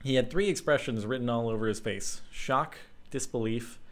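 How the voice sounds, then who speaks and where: A young man reads a fan story aloud in a middle-pitched, relaxed voice. He stumbles, adds ums and breaks off for amused side comments, keeping the tone loose and unscripted. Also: moderate pace. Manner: casual, many ums, chuckling asides. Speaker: channel host.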